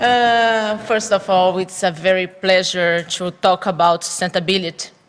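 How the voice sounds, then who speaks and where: With a Portuguese accent, a woman speaks at a moderate pace and medium pitch, her intonation fairly even. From Brazil. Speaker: government official. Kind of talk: conference speech.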